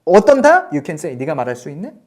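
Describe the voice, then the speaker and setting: A woman teacher with a Korean accent who explains an English storybook in a lively way and slows down to read the English lines aloud. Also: deep voice. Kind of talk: read-along lesson, explaining an English children's book in Korean.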